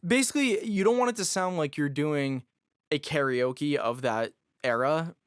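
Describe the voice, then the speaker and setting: A man with a raspy, somewhat high voice, chatting loosely as a podcast guest. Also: normal speed, no room sound, studio quality. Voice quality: raspy, higher voice. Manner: loose and jokey, lots of fillers. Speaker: guest musician. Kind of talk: casual podcast conversation.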